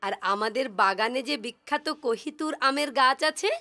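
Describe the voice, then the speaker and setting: Cartoon queen, high sharp voice, proud, haughty, insistent. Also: normal speed, clear, resonant tone. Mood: boastful. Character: proud, boastful queen, fond of showing off. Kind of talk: cartoon voice acting.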